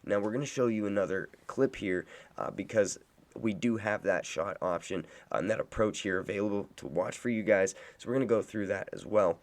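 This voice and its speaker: Low raspy man guiding a game. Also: brisk. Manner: instructive, steady, talks to viewers as "guys". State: hoarse from illness. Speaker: game guide host. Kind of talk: casual gameplay walkthrough commentary.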